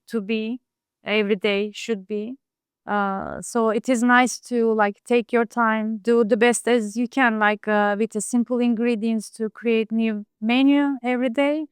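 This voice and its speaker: A woman, a home cook talking casually in an interview, soft-spoken and hesitant with many fillers. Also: a little high, clean tone, no echo, studio quality. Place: home in Istanbul.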